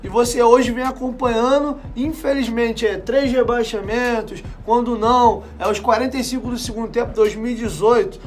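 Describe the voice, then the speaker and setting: A man's voice: very high voice, steady tone, moderate pace, few pauses. A man in his twenties from Brazil, a channel host asking long, rambling, chatty questions in a casual interview. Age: 20s.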